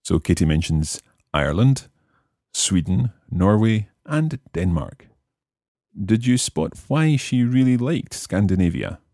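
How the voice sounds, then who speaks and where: A man's voice: on the low side, big pitch swings, slow, dark tone, no room sound, clean studio sound. A man hosting a language lesson, explaining and repeating phrases for learners in scripted teaching narration.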